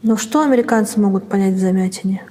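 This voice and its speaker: A woman's voice: mid-range voice, fast talker, mellow, long reverb tail. A woman interview host asking pointed, probing questions.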